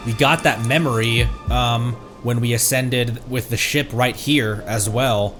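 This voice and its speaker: A man's voice: medium pitch, steady tone, measured pace. A man giving casual live game commentary as a streamer, with murmured asides that trail off mid-thought. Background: game music.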